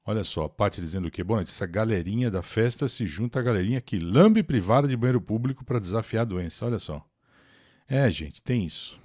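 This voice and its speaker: A man's voice: on the low side, lively intonation, fairly quick, a little mellow, no room sound, clean studio sound. A Brazilian man teaching English in a live stream, explaining words and pronunciation and reading out viewer comments.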